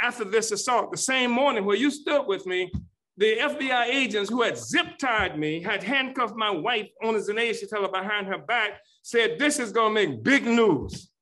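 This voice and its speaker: A man speaks in a raised, projected voice, high in pitch with ordinary pitch variation and a bright, sharp tone. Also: moderate pace. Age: 80s+. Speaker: political movement leader. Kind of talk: webinar discussion. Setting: video call. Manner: halting, many fillers.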